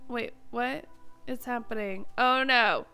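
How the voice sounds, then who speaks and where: A woman's voice: on the high side, takes it slowly, creaky, sharp tone, clear, resonant tone, soft background music. A woman hosting a gameplay video, chatting casually and expressively as she talks herself through what she is doing. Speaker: host of a gameplay video series. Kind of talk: casual video game commentary.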